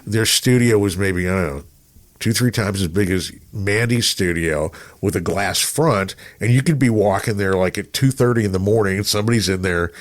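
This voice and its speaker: A middle-aged man from Texas, United States, chats casually as a radio personality, rambling through anecdotes and voicing remarks he remembers. His voice is on the low side and moves at a normal speed.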